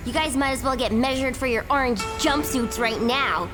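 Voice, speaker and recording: A woman's voice: sits high, moderate pace, over music, close to an everyday voice. A woman voicing a cheeky, taunting young girl in a cartoon.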